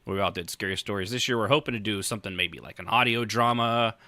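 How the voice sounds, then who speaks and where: An American man hosts a casual podcast in a fairly low voice with a very sharp, forceful edge. He jokes wryly and swears offhandedly. The sound is dry and free of room echo. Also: quick pace. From United States. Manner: wry, joking, swears casually. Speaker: podcast host. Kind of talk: casual comedic podcast chat.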